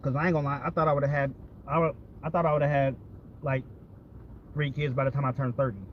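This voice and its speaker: A man's voice: medium pitch, level tone, fast talker. American man rambling candidly, dull lo-fi audio. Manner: candid, profane, repeats himself. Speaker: vlogger. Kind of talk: casual rambling chat. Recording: dull lo-fi audio with background vehicle noise.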